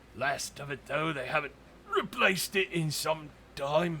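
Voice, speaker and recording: Putting on a raspy character voice at a fairly high pitch, a man speaks at a moderate pace over clear background noise. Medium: actual play. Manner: gruff, blunt.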